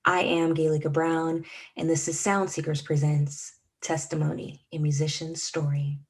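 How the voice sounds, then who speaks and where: A woman's voice: sits low, little pitch movement, moderate pace, darkish tone. A woman hosting an interview podcast, upbeat and friendly, asking questions in a casual way. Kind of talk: scripted intro, then casual interview.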